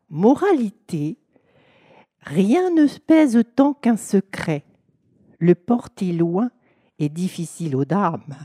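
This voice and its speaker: A woman reading a classic fable aloud in a measured, expressive storytelling manner. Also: mid-range voice, no echo, studio quality. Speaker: reader.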